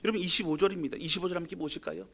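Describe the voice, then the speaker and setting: A pastor preaching a sermon at a Friday prayer meeting, leading the congregation through scripture with dramatic swings in pitch and volume. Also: male voice, fairly even intonation, rapid-fire, fairly bright tone, slightly rough. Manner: leads congregation in reading scripture aloud.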